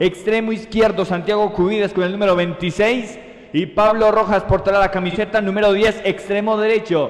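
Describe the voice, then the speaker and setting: Here a man talks at a moderate pace in a high voice. His loudness stays very even, his intonation flat and monotone, with noticeable background noise behind him. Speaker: sports radio reporter. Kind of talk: radio sports talk.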